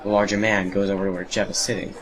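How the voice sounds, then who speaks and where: A man narrating a horror story in a solemn, measured, dramatic scripted style. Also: lowish voice, flat delivery, a bit bright. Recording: home recording with background noise and ambience.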